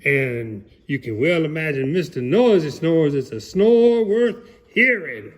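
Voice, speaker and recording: Hammy country gator, swooping pitch. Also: male voice, sing-song, unhurried, highs cut off. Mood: hammy, excited. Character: folksy, excitable country alligator telling a storybook tale. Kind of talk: dramatic storybook reading, played for comedy.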